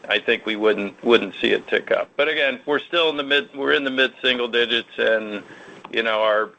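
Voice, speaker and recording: A man's voice: medium pitch, sharp tone. An American man, a company executive, answering analyst questions in a conversational, self-assured, explanatory way. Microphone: conference call line. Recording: dull lo-fi conference call audio.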